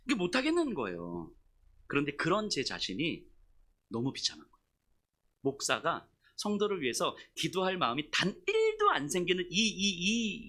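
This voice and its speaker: A male pastor preaching a heartfelt, confessional sermon. His voice is bright and somewhat high, with a hugely lively, swooping pitch. He swings from quiet asides to sudden loud bursts. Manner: emotional, confessional storytelling; shifts between soft asides and loud outbursts.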